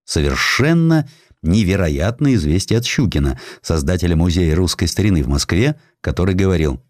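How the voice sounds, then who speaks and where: A man with a deep voice narrates a historical sketch. His intonation moves widely, giving the scripted storytelling a dramatic, expressive shape. The sound is very dry, with hardly any room around it. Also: moderate pace, no room sound. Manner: expressive storytelling, voicing quotations. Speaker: audiobook narrator.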